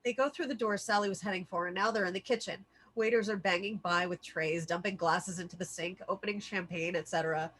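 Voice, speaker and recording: Speaking a little fast with hardly any pauses, a woman with a fairly low, steady, fairly bright voice narrates scene headings and action lines at a screenplay table read. Her role is stage-direction reader, giving scripted narration.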